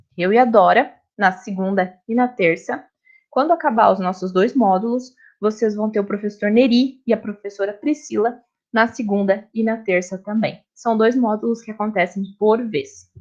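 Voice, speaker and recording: Fairly high pitch from a woman, ordinary pitch variation, moderate pace, quiet background. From Rio Grande do Sul, southern Brazil. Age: 20s. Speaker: course teacher. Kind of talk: online lecture.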